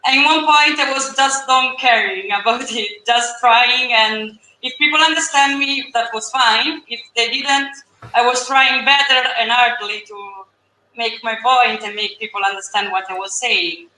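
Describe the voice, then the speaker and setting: A woman's voice: on the high side, a little slow, pushed and bright. Young Italian-accented woman in an echoey room. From Italy. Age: 20s. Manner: searching for words in a second language. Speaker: student guest. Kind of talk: casual interview chat.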